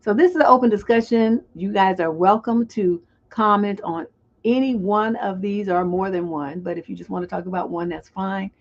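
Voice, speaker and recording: A woman's voice: medium pitch, normal speed. A woman relationship coach hosting a live call-in stream, chatting loosely and reading viewers' comments aloud. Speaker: relationship coach and show host. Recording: dull lo-fi stream audio.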